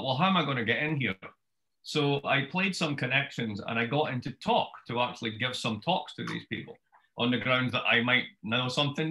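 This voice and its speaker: A Scottish man in his fifties speaks with a bright, forceful tone. He tells his story in a brisk, wry way, like a lecturer talking from his home study. The sound comes through a webcam on a video call. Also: medium pitch, low-quality recording. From Scotland. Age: 50s. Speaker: author giving a book talk. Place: home study with bookshelves, indoors.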